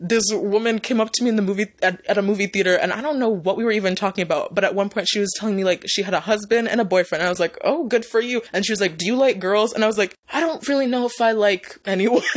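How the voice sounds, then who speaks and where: A woman talks at a very fast pace with hardly any pauses. Her pitch varies in an ordinary way over noticeable background noise. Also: fairly high pitch for a woman. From US, child of Jamaican immigrants. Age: 20s. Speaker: online content creator. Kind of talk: interview.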